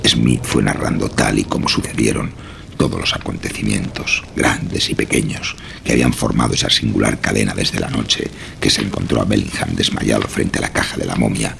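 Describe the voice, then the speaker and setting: A man narrating a scripted horror story in a measured, suspenseful, dramatic way. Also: very deep voice, steady tone, vocal fry, a bit bright, a little hiss or hum.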